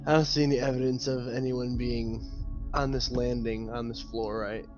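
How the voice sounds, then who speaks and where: Male player, mid pitch, flat delivery, deliberate, lo-fi sound. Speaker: player in a tabletop roleplaying game. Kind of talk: casual game chat. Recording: dull lo-fi audio under music.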